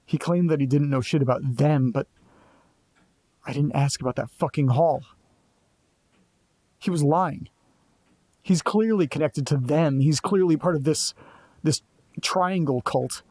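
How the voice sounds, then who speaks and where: An actor playing a restless, sardonic young man in an audio drama, who keeps piecing clues together out loud. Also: fairly high pitch, no echo. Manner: sardonic, restless, quick to jump to conclusions. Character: Nate, anxious young man chasing a mystery.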